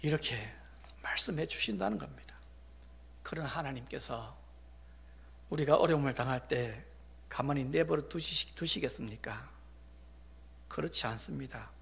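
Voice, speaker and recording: A middle-aged male pastor preaching a sermon. He drops to hushed whispers and builds to loud, emphatic peaks, and acts out the voices of believers and of God in quoted lines. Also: medium pitch, moderate pace, creaky, long pauses, slightly rough.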